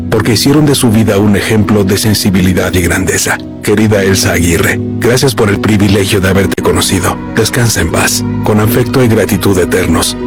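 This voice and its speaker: A man reading a scripted advertisement, slow and solemn. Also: on the low side. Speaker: ad announcer. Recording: music bed underneath.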